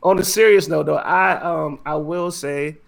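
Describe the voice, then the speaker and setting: A man's voice: fairly high pitch, steady tone, unhurried, gravelly. An American man co-hosting a podcast, chatting casually in slang and often chiming in to agree. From United States, military family. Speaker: podcast co-host.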